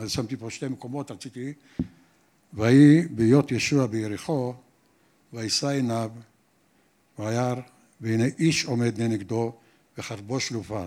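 A man with a dark, mellow tone speaks at a moderate pace, with ordinary pitch variation and long, frequent pauses. His loudness swings widely. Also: medium pitch for a man. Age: old. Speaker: congregation member. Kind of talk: testimony.

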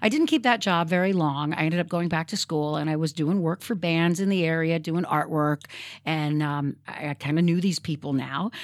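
With a Central Pennsylvania accent, a woman speaks at a fairly low pitch. She keeps a moderate pace and ordinary pitch variation. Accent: Central Pennsylvania American. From Central Pennsylvania, Cumberland County. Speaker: radio host. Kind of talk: casual interview chat.

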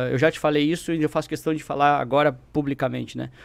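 Using a plain, everyday voice, a man speaks at a fairly high pitch and fairly quick pace, his intonation fairly even. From southern Brazil, Porto Alegre. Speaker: finance certification teacher. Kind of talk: casual interview.

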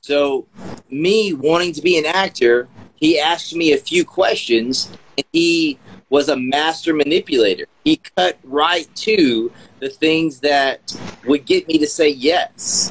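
A man with an American accent talks at a fairly slow pace in an ordinary speaking voice, fairly high in pitch with ordinary pitch variation, and the sound is dry and close with no echo. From US South, South Carolina. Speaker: pastor, former adult film actor. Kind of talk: testimony.

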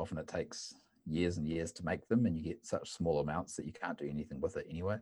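Speaking very fast with a New Zealand accent, a man has a very deep, low pitch, a dark, mellow tone and ordinary pitch variation. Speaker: organic chemist, university lecturer. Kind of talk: interview.

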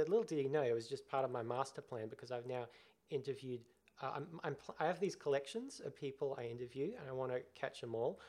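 Talking at a very fast pace in an Australian accent, a man with a fairly high voice uses ordinary pitch variation. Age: young. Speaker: musician and podcaster. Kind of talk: casual interview chat.

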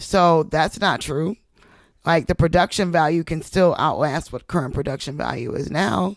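The voice carries vocal fry and ordinary pitch variation. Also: woman, very deep, low pitch for a woman, moderate pace. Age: 30s. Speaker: digital media strategist. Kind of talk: casual chat. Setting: lounge couch.

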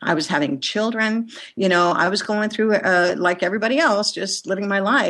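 Over a quiet background, a normal speaking voice moves at a moderate pace with ordinary pitch variation. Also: woman, medium pitch for a woman. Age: 50s. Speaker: energy healer and author. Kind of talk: interview.

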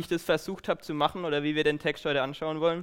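In a Baden accent, a man with a fairly high pitch speaks with fairly even intonation. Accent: southern German (Baden). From Baden, southwest Germany. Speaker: lay preacher, student. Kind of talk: sermon. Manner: halting, many fillers.

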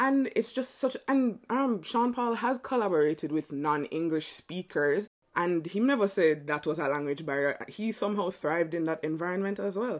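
Fairly low-pitched speech from a woman with a Jamaican accent, very wide pitch swings, a moderate pace and hardly any pauses. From New York. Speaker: podcast co-host. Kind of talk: casual chat.

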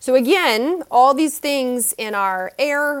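Lively intonation from a woman with an American accent. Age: 40s. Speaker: naturopathic doctor and hormone educator. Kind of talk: podcast interview. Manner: animated.

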